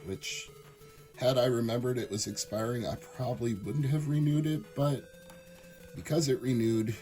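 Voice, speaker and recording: A man with a raspy, hoarse voice from a cold, chatting casually and with enthusiasm as he shows off his thrift store finds for a video. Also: medium pitch, fairly even intonation, normal speed, dark tone, faint music behind. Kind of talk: casual show-and-tell chat.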